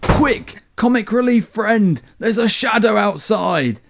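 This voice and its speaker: A streamer putting on the voice of a panicky lookout who urgently warns the others, with drawn-out calls. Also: medium pitch, lively intonation, creaky, pitched above the performer's own voice. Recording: loud background noise.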